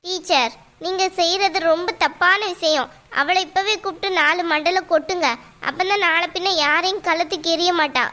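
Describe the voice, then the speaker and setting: Woman voicing a loud, demanding cartoon mother; squeaky high, bright tone. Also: moderate pace. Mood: angry. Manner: shrill, bossy, demanding. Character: loud scolding mother, quarrelsome and pushy. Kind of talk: cartoon voice acting.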